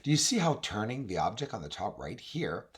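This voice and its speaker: A man with a hoarse, raspy, recovering voice hosts an informal walkthrough of images, talking emphatically and directly to his viewers. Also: lowish voice, sing-song, fairly quick. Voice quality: raspy, husky. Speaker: video host, amateur telescope observer.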